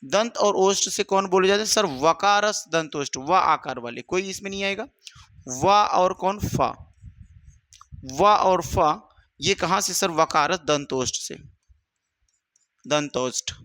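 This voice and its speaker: High, bright-voiced male teacher. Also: measured pace, no echo. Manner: drills students with questions and answers; addresses students as "my brother". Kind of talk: exam-prep grammar lesson.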